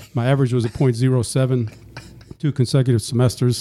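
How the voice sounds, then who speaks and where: A man speaks at a fairly quick pace in a monotone, with flat intonation. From New Orleans, Louisiana. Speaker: district attorney. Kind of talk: casual interview chat.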